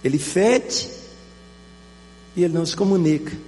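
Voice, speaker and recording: A man's voice: on the high side, moderate pace, darkish tone. A male pastor with a Brazilian accent preaching a sermon, emphatic and full of repeated rhetorical questions. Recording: reverberant hall with faint mains hum.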